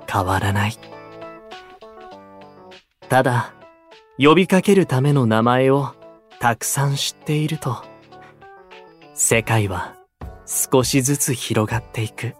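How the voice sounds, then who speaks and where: A man playing a quiet, dreamy young idol in a voice drama, speaking in soft, sparse, halting phrases. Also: mid-range voice, close to an everyday voice. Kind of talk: anime-style voice drama acting. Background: music.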